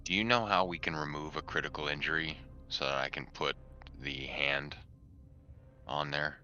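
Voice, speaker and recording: A man chatting casually as a player in a tabletop game, recorded on a low-fidelity mic. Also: steady tone, moderate pace, bright, forceful tone. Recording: dull lo-fi microphone, music underneath. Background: background music.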